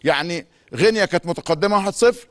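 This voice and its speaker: A man's voice: high voice, animated. A middle-aged man with an Egyptian Arabic accent, a sports talk show host delivering an emphatic monologue full of repeated insistent phrases. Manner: rapid, emphatic, repetitive insistence. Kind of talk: monologue commentary.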